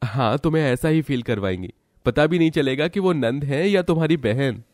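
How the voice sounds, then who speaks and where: A man voicing a gentle, reassuring young husband in an animated family drama, with an Indian accent. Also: medium pitch, normal speed, no echo, clean studio sound, natural voice.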